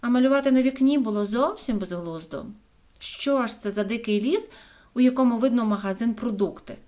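A woman narrating a children's fairy tale in a gentle, expressive storybook voice. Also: fairly high pitch, fairly quick.

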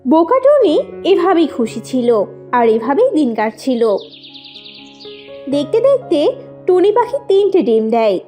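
A woman's voice: high-pitched, sing-song, a little slow, pauses often, mellow, faint music behind. A woman narrating a scripted children's cartoon story.

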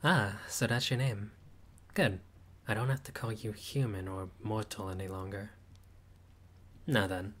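Guy doing a chill friendly vampire, lowish voice, wry and teasing, roleplay audio. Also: steady tone, unhurried, pauses often, fairly bright tone, a little hiss or hum. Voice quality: low voice, dry teasing humor, grandly theatrical at times. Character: friendly, laid-back male vampire host, playful.

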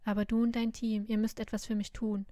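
A woman reading the lines of a stern female headmistress of a magic school, giving urgent orders in a flat, dry-sounding storybook reading. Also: fairly high pitch, a little fast, no room sound, close to an everyday voice.

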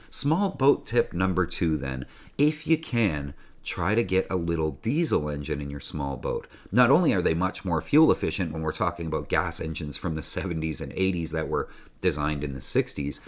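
A man in his forties hosting a sailing channel, talking casually and enthusiastically to a desk camera in a small room. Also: low voice. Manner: enthusiastic, joking, conversational. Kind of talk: casual video presentation.

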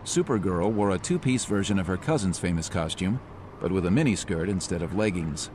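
A man narrating a motion comic in a measured, descriptive manner. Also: low voice, animated, a little mellow, a little hiss or hum. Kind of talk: scripted narration. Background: music.

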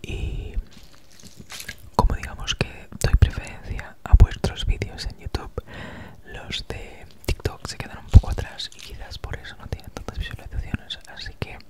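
A woman in her thirties with an accent from Spain chats casually in breathy, unvoiced ASMR whispers, very close to the mic, right in your ear, with a noticeable S sound. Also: normal speed. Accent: Spanish from Spain. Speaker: ASMR creator. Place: small home room, indoors. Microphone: handheld recorder with foam windscreen, very close.

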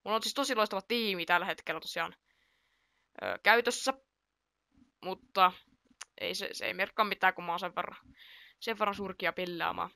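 A woman chatting through her football video game match, excitable, reacting aloud to each play and laughing at her own mistakes. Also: mid-range voice, gravelly, pauses often, dry recording. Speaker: gaming YouTuber. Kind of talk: casual gameplay commentary.

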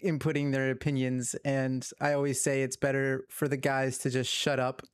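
A young man hosting a podcast, asking interview questions in a relaxed way with fillers. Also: medium pitch, moderate pace, clean tone, no echo. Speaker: podcast host. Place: home streaming room. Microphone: headphones and studio mic.

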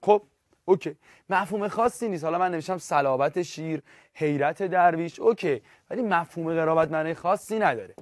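A man's voice: on the high side, no room sound, studio quality. A man teaching literature in an online class, talking straight to his students and repeating key terms.

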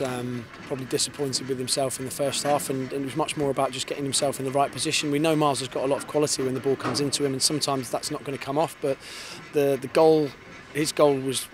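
A man in his thirties, a football head coach, giving an earnest post-match interview outdoors on a floodlit pitch into a handheld mic, often repeating words as he starts a sentence. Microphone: handheld reporter's mic held in front. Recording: outdoor stadium noise behind.

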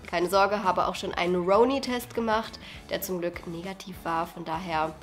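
A woman's voice: lowish voice, steady tone, normal speed, soft background music. A young woman in her twenties, a medical student with a cold, chatting casually into a camera held close in her bedroom. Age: 20s. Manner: chatty, rambling, mixes in English phrases. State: stuffy with a cold. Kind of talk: casual vlog chat. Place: small bedroom. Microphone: camera at arm's length.

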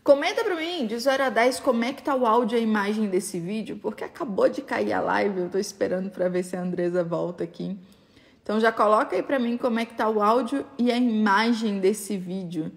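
A woman's voice: medium pitch, brisk, creaky, in a large hall. A woman from Brazil hosting a live stream, welcoming viewers with upbeat enthusiasm.

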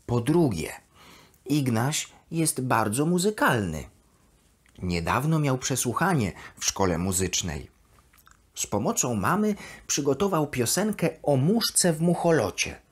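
Woman playing a husky, lively plush duck diarist. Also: a bass voice, a little slow, heavily acted. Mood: fond, chatty. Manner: expressive, affectionate, confiding. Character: chatty, devoted female plush toy duck diarist. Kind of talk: children's bedtime audio story narration.

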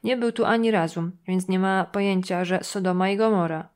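A woman's voice: medium pitch, brisk, a little mellow, natural voice. A woman voicing a paunchy male neighbor in his sixties who talks in a drawling, insinuating way.

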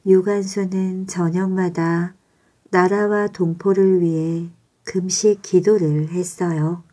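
Slow, mellow woman telling bedtime stories. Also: on the low side. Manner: calm, soothing, measured. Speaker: storyteller. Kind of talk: bedtime story narration.

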